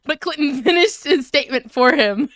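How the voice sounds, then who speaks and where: Giggly high-voiced woman reading fan fiction. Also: expressive, moderate pace, fairly bright tone, no room sound, studio quality. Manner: giggly, often breaking up while reading; crude, swearing banter. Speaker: stream co-host reading fan fiction aloud. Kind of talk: casual livestream read-aloud with commentary.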